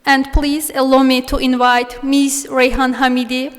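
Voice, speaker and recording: A woman's voice: sits high, little pitch movement, a little slow. A woman presenting at a ceremony, formally introducing the next speaker. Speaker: event presenter. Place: hotel ballroom. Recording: long reverb of a large hall.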